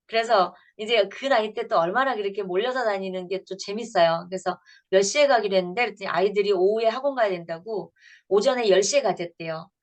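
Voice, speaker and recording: A woman in her fifties, a pastor lecturing parents at church. She talks in an earnest, storytelling way and plays out family conversations as she goes. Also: mid-range voice.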